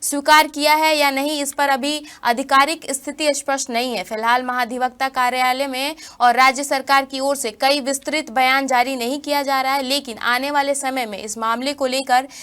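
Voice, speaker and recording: A woman news anchor reading a regional bulletin in a formal, steady manner. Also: high-pitched, normal speed, few pauses. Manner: formal, steady headline delivery.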